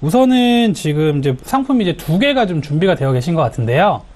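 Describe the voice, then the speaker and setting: A man advising a caller as an insurance expert, in a high, lively voice that swoops up and down. He talks in a friendly, explanatory way and fills his sentences with small hesitations. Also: quick pace. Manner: friendly, explanatory, filler-heavy. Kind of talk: phone consultation advice.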